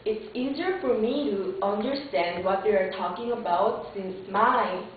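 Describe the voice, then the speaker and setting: A woman's voice: medium pitch, measured pace. Woman, Korean accent, earnest and hesitant, thin phone-like sound, faint hiss. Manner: earnest, hesitant with restarts and fillers. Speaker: job applicant for English teacher. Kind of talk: mock job interview answers. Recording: distant echoey lo-fi phone-like room recording.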